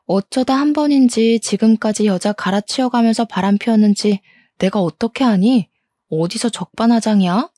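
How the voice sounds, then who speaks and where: A woman's voice: on the high side, moderate pace, mellow, no echo, clean studio sound, close to an everyday voice. A woman playing a betrayed wife who fires back with bitter, indignant retorts. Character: betrayed, furious wife in her thirties. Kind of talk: audio story dramatization.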